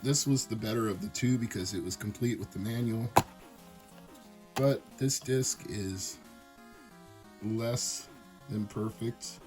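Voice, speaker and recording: A man with a raspy, hoarse voice from a cold, chatting casually and with enthusiasm as he shows off his thrift store finds for a video. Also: lowish voice, slow, pauses often, music in the background, low-quality recording. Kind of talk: casual show-and-tell chat.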